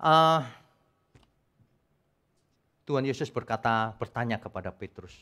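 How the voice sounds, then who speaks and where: Animated preaching man, lively pitch. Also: a little slow. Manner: animated preaching, loud emphatic peaks. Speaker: pastor. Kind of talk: sermon. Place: church service.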